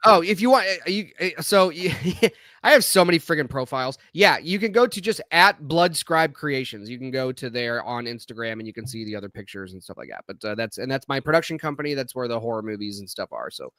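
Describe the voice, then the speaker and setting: A man's voice: mid-range voice, animated, a little fast, bright, forceful tone, no room sound. A man co-hosting a podcast in casual chat, rambling with frequent restarts, his voice a bit scratchy from allergies. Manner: rambling, restarts often, laughs. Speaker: podcast co-host.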